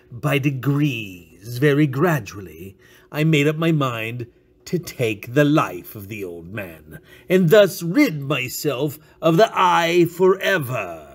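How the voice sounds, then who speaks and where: A man's voice: medium pitch, animated, slow pace. A man voicing a sly, unhinged male murderer who narrates his crime with theatrical menace, sudden whispers and outbursts. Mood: menacing. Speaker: reader. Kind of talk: dramatic reading.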